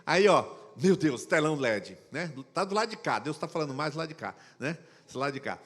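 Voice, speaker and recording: Animated pastor in a reverberant hall. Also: male voice, on the high side, fast. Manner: animated storytelling, acts out quoted voices. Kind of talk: sermon. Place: church auditorium. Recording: long reverb of a large hall.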